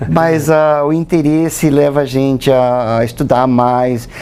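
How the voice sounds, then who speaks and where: With a normal speaking voice, a man talks at medium pitch. His intonation is fairly even. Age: 60s. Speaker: filmmaker and writer. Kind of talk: interview. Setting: studio.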